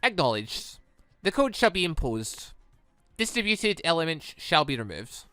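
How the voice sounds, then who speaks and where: A man voicing a cold, logical female android from a visual novel game with formal, clipped, deliberate delivery. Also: a little high, sing-song, bright, forceful tone, dry recording, faint music behind, full character voice. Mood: cold, pragmatic.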